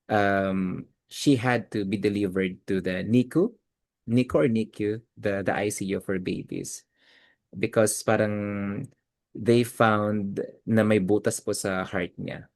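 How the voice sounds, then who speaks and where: A man with a fairly low voice speaks as an interview guest. He is polite and deferential and moves easily between two languages. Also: slow. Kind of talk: personal interview.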